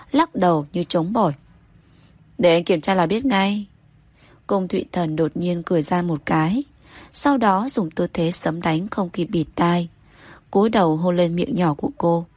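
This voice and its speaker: A woman narrating a romance novel as host of a story channel, in an even, steady reading manner. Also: fairly low pitch, no echo.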